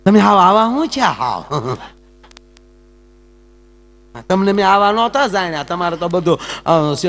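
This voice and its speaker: Man, stage comedian, chatty and teasing the crowd, quick asides, mains hum in the background. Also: a little high, a bit bright. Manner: chatty, teasing the audience, jumps between jokes and asides. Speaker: folk comedian and storyteller on stage. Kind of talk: live Gujarati folk comedy talk with audience banter.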